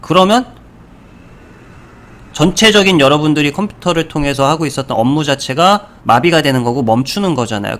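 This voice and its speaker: A man hosts a stock market video in a relaxed, chatty way. He walks through charts as he talks, tosses out rhetorical questions and little puns, and fills his pauses with small hesitations. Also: on the high side. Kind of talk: casual explanatory talk over charts.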